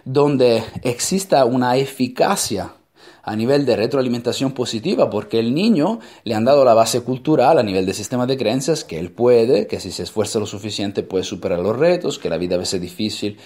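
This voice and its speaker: A man's voice: medium pitch, expressive, moderate pace, a little mellow. A man with an Italian accent, a native Italian speaker, giving an emphatic motivational talk full of rhetorical questions.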